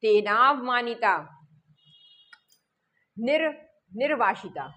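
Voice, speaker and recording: A woman teaching a lesson, reading lines slowly, then explaining them quickly and asking her students questions. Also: on the high side, lively intonation, pushed and bright. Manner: explains step by step, asks the class questions and answers them.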